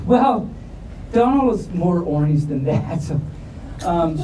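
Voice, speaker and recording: A woman's voice: fairly low pitch, expressive, slow pace, warm tone. A woman reading a picture book aloud at a live event, theatrical and jokey, breaking off for playful asides. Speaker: storytime reader. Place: live convention room with audience. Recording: echoey room, distant mic, faint noise.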